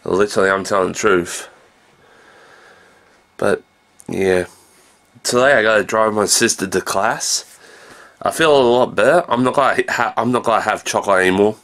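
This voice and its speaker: A man in his thirties talks to a handheld camera in a small room. His voice is fairly low and full of gravelly creak. He takes his time, drifting slowly through everyday subjects in a low-key, casual way. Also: a bit bright. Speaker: vlogger. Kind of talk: casual rambling video diary. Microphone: handheld camera at arm's length.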